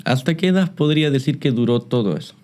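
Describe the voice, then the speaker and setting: Measured male Christian interviewer. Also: mid-range voice, lively intonation, a little mellow. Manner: measured, echoes the guest's words. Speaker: host.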